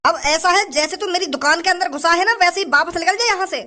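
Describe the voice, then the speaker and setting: A woman's voice: very high voice, fast talker, pushed and bright. A woman voicing a stingy, rude male shopkeeper who scolds in a rustic way. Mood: scornful.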